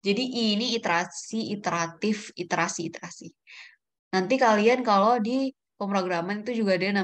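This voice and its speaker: A woman teaches a math lesson online in a slightly low voice. She talks casually, thinks aloud and corrects herself as she writes formulas. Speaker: olympiad math tutor.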